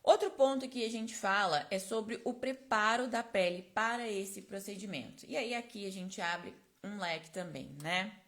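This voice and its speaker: A woman's voice: mid-range voice, normal speed, few pauses, fairly bright tone. A woman teaching a live online class, chatty and explanatory, tagging her points with constant little check-in questions, close to her microphone. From Brazil. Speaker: esthetics course instructor. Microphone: close personal microphone.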